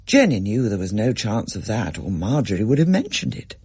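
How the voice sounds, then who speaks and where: Husky, expressive story reader. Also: mid-range voice, brisk, dry recording. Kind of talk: scripted story reading.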